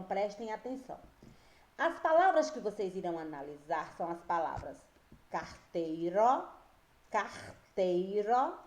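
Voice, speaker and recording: A woman teacher, giving a slow and patient reading and spelling lesson to young children, often checking whether they follow. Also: mid-range voice, darkish tone, reverberant. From Brazil. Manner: slow, patient, drawn-out words, frequent checks with pupils. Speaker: primary school teacher.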